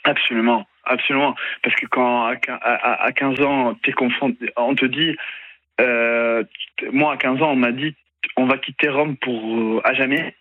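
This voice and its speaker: A man's voice: medium pitch, fairly even intonation, normal speed, dry recording. Hesitant young man on a tinny line. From Italy. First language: Italian. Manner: hesitant, many fillers and restarts. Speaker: guest. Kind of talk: casual interview talk.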